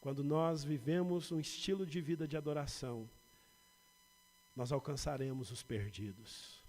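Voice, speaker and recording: Paulista-accented male pastor, fairly high voice, emphatic sermon delivery, long church reverb. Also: moderate pace. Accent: Brazilian Portuguese, São Paulo. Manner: preaching with rising emphasis and quiet asides. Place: church sanctuary.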